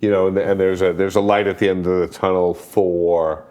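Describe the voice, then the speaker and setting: A man with a deep, low voice, a guest on a casual film podcast. He explains his views in an easygoing way. He often leans on relaxed fillers. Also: moderate pace.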